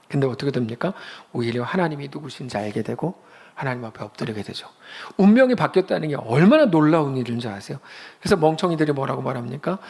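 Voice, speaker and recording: A man's voice: medium pitch, gravelly, a little mellow, slightly rough. A middle-aged man preaching a sermon as pastor, emphatic and full of rhetorical questions to the congregation.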